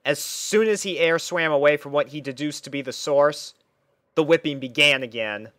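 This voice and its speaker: A man narrating a scripted story in a measured, mock-serious storytelling manner. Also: on the high side, a bit bright, dry recording. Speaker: fan fiction narrator.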